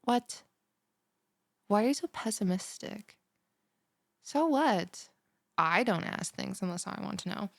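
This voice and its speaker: A young woman acts out a bubbly, scatterbrained female student in an intimate audio roleplay. She rambles in valley-girl style, blunt and full of filler "likes", with creaky fry in her voice. The sound is very dry, with no room around it. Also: mid-range voice, animated, takes it slowly, pauses often, no echo. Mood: curious, insistent. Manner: rambling valley-girl chatter full of "like", sighs and breathy asides. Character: chatty, scatterbrained, over-caffeinated bimbo female college student, bubbly and blunt.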